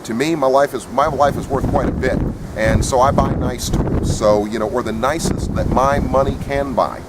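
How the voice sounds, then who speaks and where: A man's voice: mid-range voice, steady tone, moderate pace. Plainspoken man reviewing gear in noisy wind. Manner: plainspoken, opinionated. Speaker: product reviewer. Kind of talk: casual unscripted gear review. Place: outdoors in wind. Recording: windy outdoor recording with clear noise.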